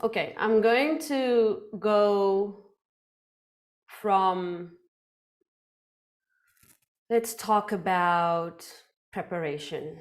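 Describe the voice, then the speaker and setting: Woman in her 30s, Afrikaans mother tongue, lively speaking-club trainer, medium pitch, headset mic. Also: very slow, pauses often. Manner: animated, gestures a lot, playful. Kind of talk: workshop talk on public speaking.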